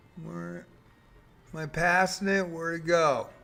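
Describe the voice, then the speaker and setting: A man at a very slow pace, with music in the background. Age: 60s. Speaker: video game streamer. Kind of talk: casual gameplay commentary.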